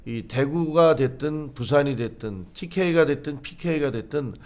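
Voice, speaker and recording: Man, slightly high voice, political commentator, animated storyteller, talk-show studio. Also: normal speed. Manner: animated storytelling, acts out what people said. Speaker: political commentator, former party official.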